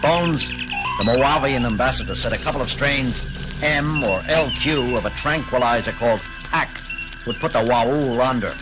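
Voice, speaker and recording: An actor playing a decisive, commanding starship captain under strain in a 1970s audio drama. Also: male voice, mid-range voice, normal speed, close to an everyday voice, rough recording. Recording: 1979 children's vinyl record, music behind.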